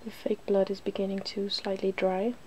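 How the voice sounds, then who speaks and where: A woman's voice: medium pitch, little pitch movement, moderate pace, dark tone, slight background noise. A woman hosting a casual ASMR makeup demonstration, chatty and giggly, drifting into whispers. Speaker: ASMR video host.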